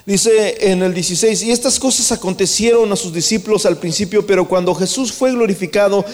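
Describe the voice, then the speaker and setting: A male preacher giving a fervent sermon, dropping to a hush and then rising loud. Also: high-pitched, fairly quick. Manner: swings from hushed to loud, fervent. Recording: echoey hall with long reverb.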